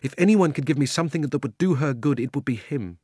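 A man's voice: mid-range voice, expressive, quick pace, darkish tone, husky, no echo, pitched above the performer's own voice. A young boy speaks with urgent, earnest resolve, as a man reads him. The storybook recording is dry and close. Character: determined, worried young boy.

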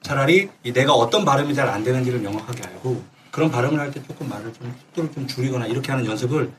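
A man's voice: mid-range voice, expressive, rapid-fire, far from the mic, a little hiss or hum. A man with a slight lisp hosting a casual panel chat, laughing often.

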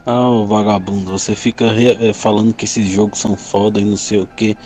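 A man's voice: on the low side, level tone, fairly quick, mellow, soft background music. A man in a sent voice message insulting and mocking the stream host.

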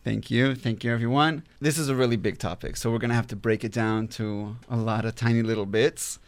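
A man hosting a panel podcast, talking in an upbeat, halting way with fillers and restarts. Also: medium pitch, fairly even intonation. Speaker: podcast host.

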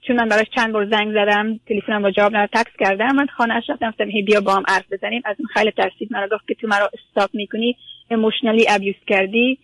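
A woman's voice: medium pitch, fairly even intonation, fairly bright tone, dry recording, poor audio. A woman from Afghanistan, calling a radio advice show and speaking hesitantly with many fillers and English words mixed in. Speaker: caller.

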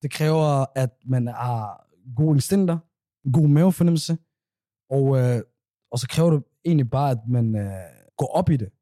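Young podcast guy, kinda mellow dark voice, joking around, dry close sound. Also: mid-range voice, no echo. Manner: teasing, jokey, acts out quoted people. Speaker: podcast co-host. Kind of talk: casual chat.

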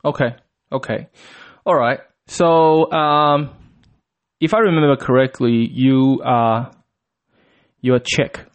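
A man's voice: medium pitch, takes it slowly, long pauses, dull audio. A man hosting a casual interview, chatty and upbeat, with frequent stammering restarts. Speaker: podcast host.

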